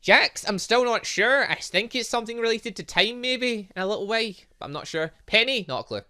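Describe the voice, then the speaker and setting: A man giving excitable, rambling commentary as he plays through a game, often thinking aloud. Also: sits high, a little fast. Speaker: gaming channel host.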